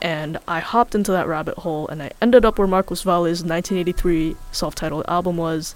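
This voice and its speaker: A woman speaks at a fairly quick pace with hardly any pauses, in a fairly low pitch and an unremarkable speaking voice. Her intonation stays fairly even while her loudness swings widely. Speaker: media producer and campus radio volunteer. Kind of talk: casual interview chat.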